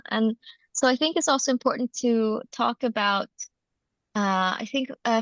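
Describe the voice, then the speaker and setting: A woman explains her ideas in an interview, reflective and full of small hesitations. Her voice has a gravelly fry to it. The sound is dry and a little muffled, with little of the room in it. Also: medium pitch, a bit bright, no echo. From Sweden. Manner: thoughtful, many hesitations. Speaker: guest anthropologist. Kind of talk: academic interview answer.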